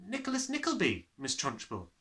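A man voicing a quiet, polite, clever little schoolgirl in a children's storybook, speaking carefully. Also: high-pitched, huge pitch swings, moderate pace, pitched above the performer's own voice, heavily acted. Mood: quiet, matter-of-fact. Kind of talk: dramatised children's storybook reading.

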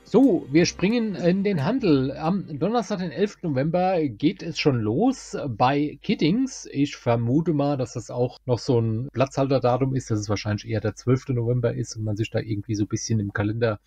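A man's voice: mid-range voice, normal speed, few pauses, mellow, breathy edge, no room sound. A man co-hosting a podcast, chatting casually, on a slightly dull recording. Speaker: podcast co-host.

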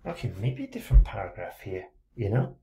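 Low gravelly male tutor. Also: huge pitch swings, fairly quick, mellow, muffled recording, a little hiss or hum. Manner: reads student text aloud, breaks off to comment; encouraging, frequent "okay?" check-ins. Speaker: English writing tutor. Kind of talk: essay correction screencast.

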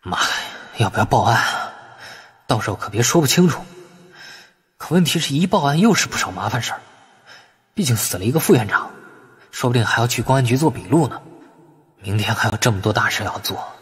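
A man's voice: mid-range voice, expressive, fairly quick, pauses often, slightly rough. A man voicing a wily, irritable, world-weary young man in an audiobook crime novel, talking in a colloquial, grumbling way. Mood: anxious, grumbling.

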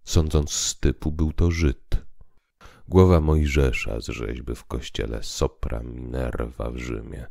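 A man voicing a calm, grave priest telling visionary tales in a solemn, deliberate, oratorical way for a dramatized audiobook. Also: very deep voice, gravelly, dry recording, clean studio sound, voice pushed down, full character voice. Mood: grave, mysterious. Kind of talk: dramatized literary audiobook reading.

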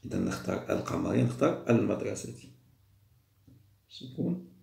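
Gravelly-voiced male teacher, patient. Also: fairly low pitch, wildly swooping pitch, darkish tone, reverberant. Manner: patient, repeats words slowly for pupils. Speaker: primary school teacher. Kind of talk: explaining a second-grade Arabic test.

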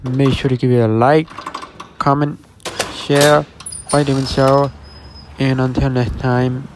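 A man's voice: medium pitch, level tone, takes it slowly. A man narrating a casual walkthrough of a closed restaurant, speaking matter-of-factly and addressing his viewers directly. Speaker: vlogger exploring closed stores. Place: outdoors at a shopping center storefront. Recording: faint outdoor traffic noise.

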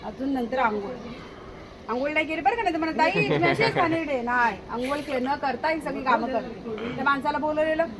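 A woman chatting casually through a home vlog, talking and scolding as she goes. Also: sits high. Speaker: vlogger. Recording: noisy home recording.

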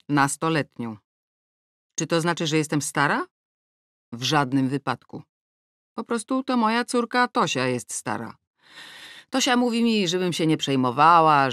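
Wry, expressive woman narrating an audiobook. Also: deep voice, no echo. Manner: wry, ironic and expressive, with wide swings in tone. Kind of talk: first-person audiobook narration. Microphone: close studio mic. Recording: dry studio recording.

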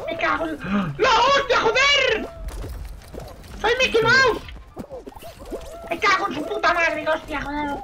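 A man doing a screeching cartoon mouse voice, yelling and swearing. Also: very high-pitched, animated, takes it slowly, pauses often, far from the mic, full character voice. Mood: frantic yelling. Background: game music.

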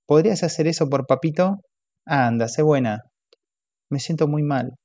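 A man's voice: on the high side, moderate pace, dark tone, dry recording, natural voice. A man voicing a hungover alcoholic husband who wheedles and pities himself, in a dull, dry audiobook recording. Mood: wheedling. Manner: wheedling, whiny.

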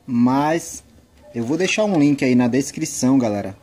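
A man's voice: medium pitch, animated, moderate pace, darkish tone. A man with a Brazilian accent giving casual gameplay commentary as a channel host. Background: game music.

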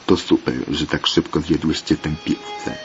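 A man's voice: rumbling low, level tone, normal speed. A man reading a brusque pizzeria owner. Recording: muffled lo-fi with faint hiss.

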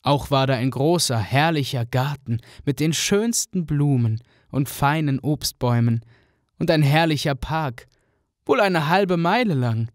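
A man narrating a fairy tale in a radio play with an even, storytelling manner. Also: on the high side, a little slow, no echo, clean studio sound.

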